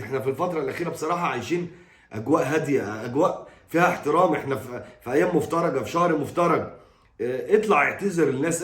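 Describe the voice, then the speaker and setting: Egyptian man, middle-aged, exasperated scolding monologue, somewhat high voice. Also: echoey room. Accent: Egyptian Arabic. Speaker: football commentator. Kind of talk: opinion monologue.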